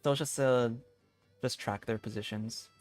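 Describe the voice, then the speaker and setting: Male streamer, casual game commentary, halting, thinking aloud, mid-pitched voice, faint music behind. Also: steady tone.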